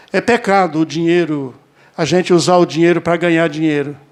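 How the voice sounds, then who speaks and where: A man's high-pitched voice at a moderate pace. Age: 60s. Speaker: pastor. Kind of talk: sermon.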